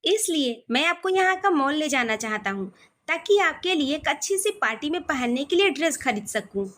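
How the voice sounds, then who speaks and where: A woman's voice: high voice, very animated, normal speed, fairly bright tone. A woman reading the part of a cheerful young brother-in-law who teases and pleads. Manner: teasing, pleading.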